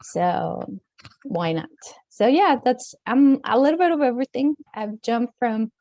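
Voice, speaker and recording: A woman from Mexico with a Latino accent, talking casually as an interview guest in a halting, circling way with many filler phrases. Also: fairly high pitch, expressive, dark tone, no room sound, muffled recording. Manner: halting, circling phrasing with frequent "like" and "you know". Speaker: podcast guest, dancer and author.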